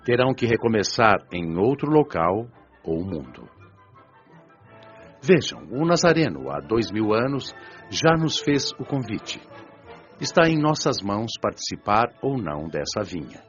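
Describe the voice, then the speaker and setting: A man with a Brazilian accent playing an earnest spiritual preacher, giving a measured, didactic scripted lecture in an audio drama. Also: on the low side, big pitch swings. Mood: solemn, earnest. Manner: solemn, didactic, measured, rhetorical. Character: earnest, solemn male spiritual preacher explaining a parable. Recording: dull lo-fi audio under music. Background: music.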